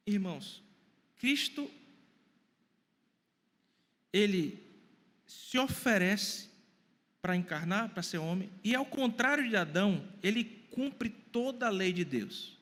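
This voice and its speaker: Animated preaching man, high voice. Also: slow pace, pauses often, in a large hall. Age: 40s. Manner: animated preaching with questions to the congregation. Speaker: pastor. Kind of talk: sermon. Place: church hall.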